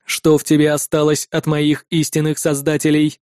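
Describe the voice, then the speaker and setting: A man reading an audiobook who voices a calm, terse male combat android, speaking in a cold and measured way. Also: on the high side, clear, resonant tone, no echo, clean studio sound. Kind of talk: audiobook character voice.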